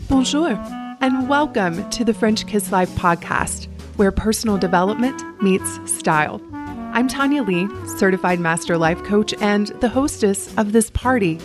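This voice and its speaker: A woman hosting her own life coaching podcast, speaking in a warm, effusive and encouraging way. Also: mid-range voice, expressive, measured pace, over music. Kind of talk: podcast monologue. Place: recorded while traveling abroad.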